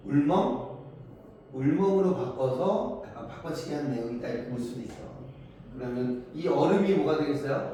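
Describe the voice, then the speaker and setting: A man with a mellow, rather high voice lectures on Korean poems, asking his students questions only to answer them himself. The sound is echoey and far away, with a little faint noise.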